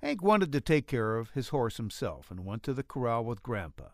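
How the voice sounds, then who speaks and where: A man reads a western tale in a mid-pitched voice. His narration moves up and down in pitch with plenty of variation. The recording is very dry, with no room around it. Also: sing-song, normal speed, a little mellow, dry recording. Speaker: audiobook narrator. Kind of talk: scripted narration of a western story.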